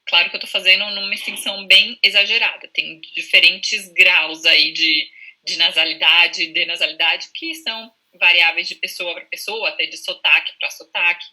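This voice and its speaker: A woman's voice: lowish voice, steady tone, normal speed, pushed and bright, low-quality recording. A woman with a Brazilian Portuguese accent, a speech-language therapist patiently explaining speech over a video call and sounding out examples. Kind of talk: explanatory interview answers.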